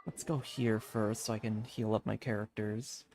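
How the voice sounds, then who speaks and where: A man's voice: lowish voice, steady tone, normal speed, a little mellow, soft background music. A man giving casual gameplay commentary as a streamer, informally thinking aloud. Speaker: game streamer.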